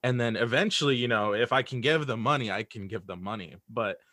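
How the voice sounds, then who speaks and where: A young man speaking as an interview guest in casual chat, earnest and halting, often repeating words as he thinks. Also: medium pitch, sharp tone, dry recording, clean studio sound. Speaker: guest, audio drama creator.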